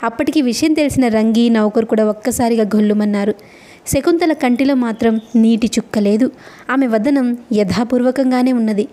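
A woman storyteller reading a novel aloud with a measured, expressive delivery. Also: a little high.

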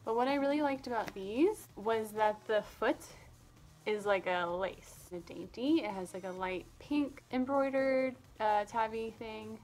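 A woman's voice: a little high, a little slow, a little mellow. Chatty young woman vlogging. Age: young adult. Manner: chatty, lots of "like" fillers. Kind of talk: casual vlog chat.

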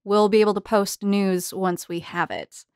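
A woman's voice: mid-range voice, fairly even intonation, normal speed, clear, resonant tone, no room sound, clean studio sound. A woman hosting a casual roundtable in a playful, informal way. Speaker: host.

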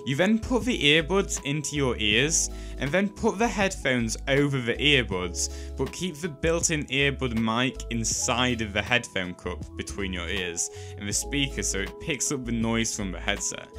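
A man delivers a scripted how-to voice-over in a bright, forward tone. His pitch moves up and down a lot, with emphatic starts and falling phrase endings. Soft music plays behind him. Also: lively intonation, moderate pace, few pauses. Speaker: tutorial host. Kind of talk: scripted instructional narration. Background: background music.

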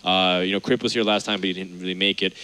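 A man's voice: sits low, fairly even intonation, fast, sharp tone, clear, resonant tone. A man casting a live esports tournament from a couch desk, joking and self-deprecating. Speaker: esports caster.

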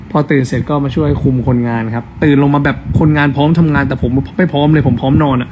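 A young man with a fairly high voice, an actor, hosts a casual Instagram live, chatting affectionately while reading out fan comments. The background is noisy.

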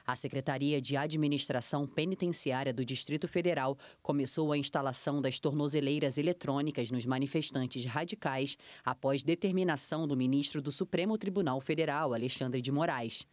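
News reporter doing voice-over, even formal read, super dry. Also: mid-range voice, fairly quick, hardly any pauses, dry recording.

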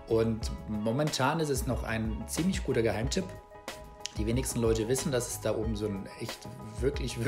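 Chatty man in his thirties vlogging. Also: medium pitch. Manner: relaxed, chatty, many fillers and restarts. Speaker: travel vlogger. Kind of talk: casual travel vlog to camera. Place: small room at home, indoors.

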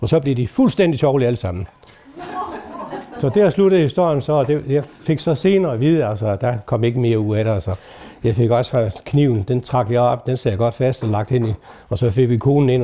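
A man's voice: medium pitch, mellow. An older man, a retired doctor, telling stories from his work to an audience in a hesitant way, with many fillers. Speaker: retired doctor giving a talk. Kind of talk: anecdotal lecture to an audience. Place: talk before a live audience.

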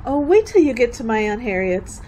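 Woman acting a breezy college girl, lively intonation. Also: fairly high pitch, brisk, a little hiss or hum, rough recording. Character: Alice, good-natured, breezy young female college student. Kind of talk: old-time radio drama acting.

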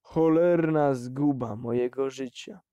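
A man voicing a drunk, bitter middle-aged miner who yells contemptuously at his son. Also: mid-range voice, slow, clean tone, no room sound, dull audio, close to an everyday voice. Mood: drunken rage. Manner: shouting, snarling, contemptuous.

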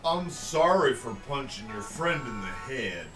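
An actor playing a sheepish, clumsy bruiser who apologizes slowly, recorded off-mic in an echoey room. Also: male voice, medium pitch, sing-song, recorded from a distance, over music. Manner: sheepish, slow.

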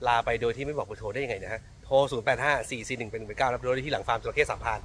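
A man's voice: medium pitch, very fast, fairly bright tone, slight background noise. A man with a Central Thai accent, chatting casually as he shows a used car from the inside and jokes with viewers. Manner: chatty, talks to the viewers as older siblings, jokes at himself. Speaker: used car dealer presenting a car. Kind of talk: casual car walkaround vlog.

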